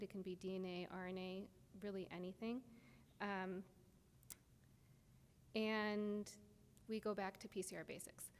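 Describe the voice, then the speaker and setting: Soft-spoken woman lecturing in a hall. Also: medium pitch. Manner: explanatory, with many ums. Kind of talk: academic lecture. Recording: reverberant lecture hall, faint noise.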